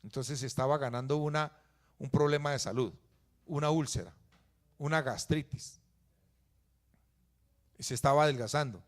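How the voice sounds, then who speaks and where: A man preaching a sermon, swinging from loud emphatic peaks to quiet, low asides. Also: normal speed, long pauses. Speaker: pastor.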